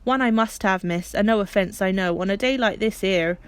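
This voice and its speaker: A woman voicing a kindly working-class railway porter who talks in a homely, excited dialect. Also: mid-range voice, normal speed, clear, resonant tone, dry recording, close to an everyday voice. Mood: excited warmth.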